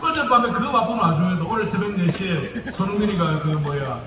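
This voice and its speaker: A male pastor speaking in Gyeongsang dialect delivers a lecture-style sermon in a high-pitched voice with lively intonation and a slightly fast pace. He jokes and puts rhetorical questions to the audience. The noisy recording comes from a distant mic in an echoey hall.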